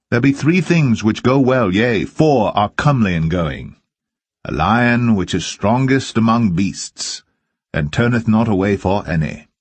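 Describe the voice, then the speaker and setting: A man reading scripture aloud as solemn narration, with measured and deliberate phrasing. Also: on the low side, husky, dry recording. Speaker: Bible reader.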